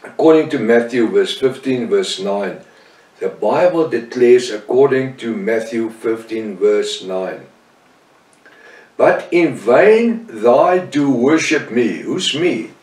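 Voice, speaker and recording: Afrikaans-accented man, slow and roomy. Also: medium pitch, lively intonation, a little mellow. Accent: South African. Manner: repeats and corrects himself, emphatic. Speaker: Bible teacher. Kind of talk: Bible study teaching. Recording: roomy sound from a distant mic.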